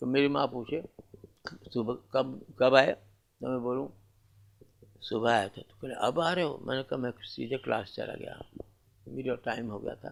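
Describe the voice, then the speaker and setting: Speaking at a medium pitch with vocal fry, a man shows ordinary pitch variation, big swings in loudness and long, frequent pauses. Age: 70s. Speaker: Kathak dancer. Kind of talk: interview answer. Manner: humble, candid.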